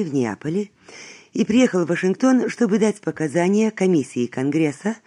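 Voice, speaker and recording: Mellow, slightly high-voiced male interviewer. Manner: measured, formal questions. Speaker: radio interviewer. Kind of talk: formal radio interview.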